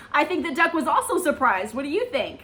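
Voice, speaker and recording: A woman's voice: high voice, very animated, normal speed, sharp tone. A young woman reading a picture book to children, asking them questions in a cheerful, sing-song teacher manner. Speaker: children's storytime reader.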